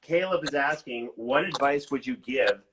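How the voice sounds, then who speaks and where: A man's voice: mid-range voice, moderate pace, a bit bright, slight background noise, rough recording. A man hosting a casual livestream interview, conversational and rewording his questions as he goes. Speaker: podcast interviewer.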